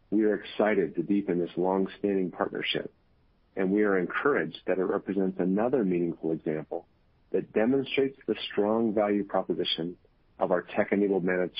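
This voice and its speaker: A man in the role of company executive reads scripted earnings call remarks in a measured, formal way. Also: sits low, slightly rough. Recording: tinny, muffled phone conference line.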